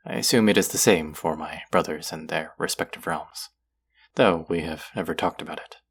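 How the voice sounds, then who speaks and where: A man acts out a guarded god of the underworld in an intimate audio roleplay. The voice is very low and gravelly, with formal, wry phrasing that hides a soft, lonely streak. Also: moderate pace, heavily acted. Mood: cautioning, guarded. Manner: formal, wry, guarded, addressing the listener directly.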